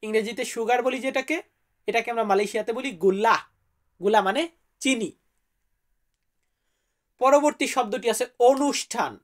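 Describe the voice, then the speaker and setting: Woman, channel-host teacher, unhurried vocabulary drill, careful repetition. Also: on the high side. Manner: repeats each word slowly and deliberately. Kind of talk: vocabulary lesson for viewers.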